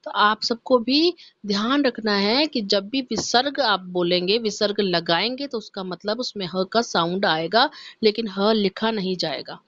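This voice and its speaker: A woman's voice: mid-range voice, unhurried, fairly bright tone, dry recording. A woman teaching a Sanskrit class to young pupils online. She talks patiently and spells out each syllable. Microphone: online class recording. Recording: dull, dry lo-fi sound.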